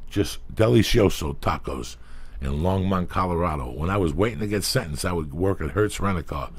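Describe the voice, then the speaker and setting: A middle-aged man hosting a podcast, telling animated, profane stories from his past in a small studio on a studio mic. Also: deep voice, moderate pace, breathy edge. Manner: profane, animated storyteller who acts out quotes. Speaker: podcast host. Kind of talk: casual storytelling chat. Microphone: studio mic with headphones.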